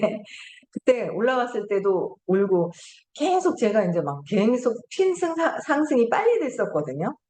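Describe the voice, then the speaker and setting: A woman's voice: fairly high pitch, sing-song, moderate pace, darkish tone. Middle-aged woman chatting and laughing, echoey. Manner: chatty storytelling, laughing often. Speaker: host. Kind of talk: casual lecture.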